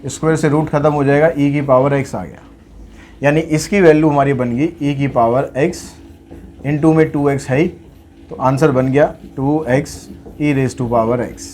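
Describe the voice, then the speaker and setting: A man's voice: mid-range voice, fairly even intonation, a little slow, darkish tone, slight background noise. A man teaching a maths lesson, working through problems step by step and asking and answering his own questions. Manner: explains steps aloud, asks and answers his own questions.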